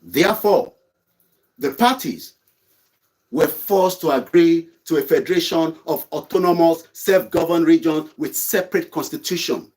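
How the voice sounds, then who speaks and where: A man's voice: on the high side, measured pace, a little mellow. A man hosting an online news show, reading out an article and commenting on it emphatically. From Nigeria. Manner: emphatic, preachy, repeats points.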